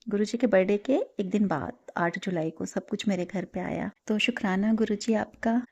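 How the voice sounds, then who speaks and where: A woman's voice: mid-range voice, mellow, dull audio. Earnest woman giving a devotional testimony. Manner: earnest, mixes English words into Hindi. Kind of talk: personal spiritual testimony.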